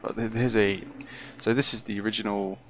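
A man's voice: on the low side, level tone, fairly quick. A man giving casual first-impressions commentary on a game, musing aloud hesitantly and often trailing off. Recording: clearly noisy recording.

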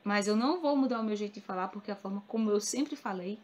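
A woman's voice: medium pitch, fast, darkish tone. A woman with a Northeastern Brazilian accent from Ceará, talking to camera as a crochet YouTuber in an earnest, emphatic way, repeating points to stress them. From Cariri region of Ceará, northeastern Brazil. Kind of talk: casual talk to the camera.

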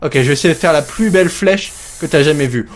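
A man commentating a horror game as he plays it, jokey and excitable, talking to himself. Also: a little high, quick pace, slight background noise. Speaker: let's play host.

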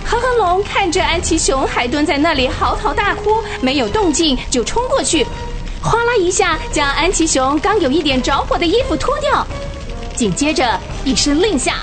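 A woman narrating a children's radio drama with expressive, vivid storytelling. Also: very high-pitched, moderate pace, music in the background.

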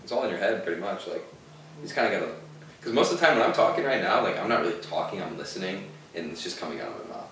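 A man's voice: low voice, lively intonation, racing, a bit bright, a little hiss or hum. A young man hosting a casual podcast, hyped and profane with bro slang. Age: young adult. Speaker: podcast host. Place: living room with couch. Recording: echoey room, mic far off.

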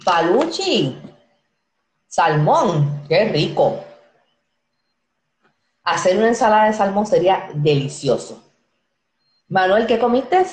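A Dominican woman with a fairly low, Dominican-accented voice, chatting on a live stream and reading out viewers' comments. She talks into an earphone mic in a small room with an echo. Her talk is easy and friendly, and she laughs often. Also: darkish tone. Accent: Dominican Spanish. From Dominican Republic. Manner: chatty, friendly, reads names aloud and laughs easily. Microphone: earphone headset mic. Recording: echoey room.

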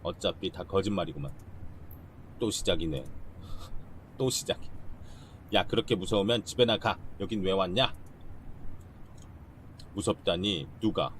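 Deep-voiced man streaming a game. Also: a bit bright, slight background noise. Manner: chatty, quick reactions, banter with viewers. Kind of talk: casual let's-play commentary, reading game dialogue aloud.

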